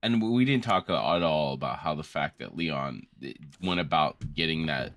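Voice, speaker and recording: A man in his late twenties giving casual, joking game commentary in a crude, rambling, animated way. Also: very deep voice, moderate pace. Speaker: co-host of a gaming series.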